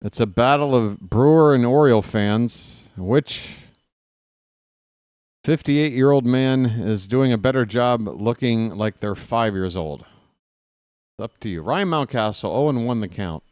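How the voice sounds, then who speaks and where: A man in his late forties calls a ballgame for his own fan channel, drifting from plain pitch-by-pitch calls into sarcastic grumbling and loud rants. His voice is smooth and full, sitting in an ordinary middle register, and it sounds close and dry with no room around it. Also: measured pace, dry recording. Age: 40s. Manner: wry, sarcastic asides and grumbling between calls; gets loud and animated when ranting. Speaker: fan play-by-play broadcaster. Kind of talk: casual live play-by-play with rambling commentary.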